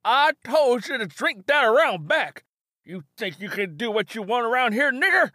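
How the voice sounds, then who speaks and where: A man voicing a hostile, hysterical old white man who shrieks and yells in an audiobook. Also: big pitch swings, normal speed, no echo, studio quality, heavily acted. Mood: angry. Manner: shrill, yelling.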